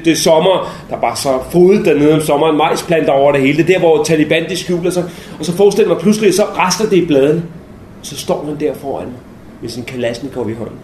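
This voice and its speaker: Guy playing a cursing young soldier, restless, a bit high voice, roomy echo. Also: lightly acted. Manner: coarse, swearing, restless. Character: young male soldier, brash and shaken. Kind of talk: theatrical monologue. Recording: roomy, faint background noise.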